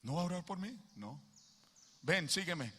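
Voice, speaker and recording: A man preaching a sermon at a youth gathering, impassioned and building to shouted peaks. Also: a little high, lively intonation, measured pace, breathy edge. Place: large hall at a youth gathering. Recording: long hall reverb.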